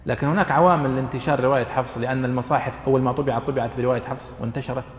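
A man teaching a class on Quranic exegesis, explaining points to students in a halting lecture style with fillers and restarts. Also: mid-range voice, steady tone. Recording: echoey hall, faint room noise.

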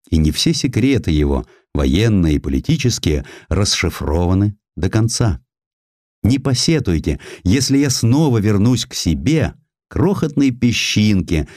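A man with a low voice reads history as an audiobook narrator. His delivery is theatrical and expressive, with wide swings of intonation. The recording is close and dry. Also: no room sound. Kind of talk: dramatic scripted narration of historical essay.

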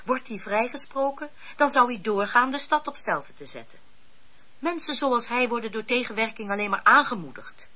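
An actress playing a shrewd, poised colonel's wife in a period radio drama, cultivated and pointed in speech. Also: female voice, on the high side, expressive, moderate pace, sharp tone. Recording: dull, muffled old radio recording.

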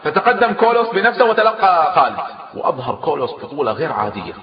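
A man telling a historical battle story with lively emphasis and aside comments. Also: on the high side, fast talker, a crowd in the background. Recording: echoey hall, dull lo-fi.

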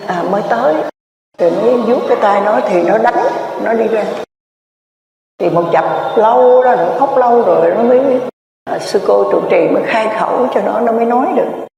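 A Buddhist nun, telling a story in a rambling sermon full of filler words. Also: female voice, medium pitch, gravelly, dark tone. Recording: echoey hall, distant mic.

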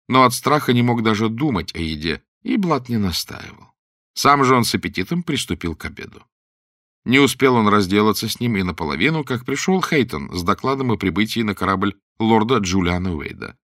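A man reading a story aloud as narrator in a steady, expressive manner. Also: fairly low pitch, a little fast, no room sound, studio quality. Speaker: audiobook narrator. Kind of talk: scripted narration.

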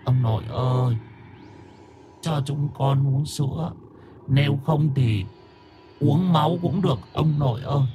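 A man's voice: on the high side, unhurried, pauses often, mellow, faint music behind, voice pushed up, lightly acted. A man voicing a pair of small, hungry demon children who plead in a creepy sing-song.

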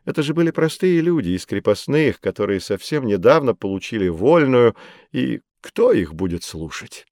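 A man's voice: mid-range voice, dry recording, studio quality. A middle-aged man playing an expert who patiently explains history to children in a scripted educational audiobook. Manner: calm, patient, measured explaining. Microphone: studio microphone.

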